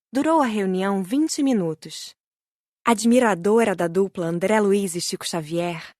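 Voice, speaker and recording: A woman's voice: mid-range voice, dry recording, clean studio sound. Woman with a Brazilian accent, audiobook narrator. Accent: Brazilian Portuguese. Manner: gentle, admiring, steady reading. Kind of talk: scripted first-person narration of a spiritual book.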